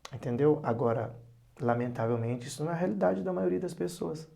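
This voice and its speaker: Pastor guy on a podcast, kinda higher voice, earnest advice, acts out the stories. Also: a little fast, creaky. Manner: animated storyteller who acts out parents and children; earnest, advising. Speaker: pastor and psychologist. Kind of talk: podcast interview talk.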